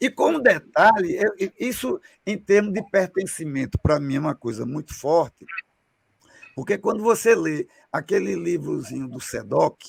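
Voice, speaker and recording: With a dry, close sound and no echo, a man speaks at a moderate pace. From Brazil, Natal (Northeast). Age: 60s. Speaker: human rights activist, program host. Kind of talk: casual chat. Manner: halting, many repeated words.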